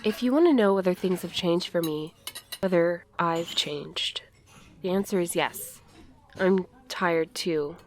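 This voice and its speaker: A woman playing an earnest, conciliatory but determined friend in a naturalistic audio drama, speaking gently and with care. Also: lowish voice, unhurried, lightly acted. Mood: earnest, resolute.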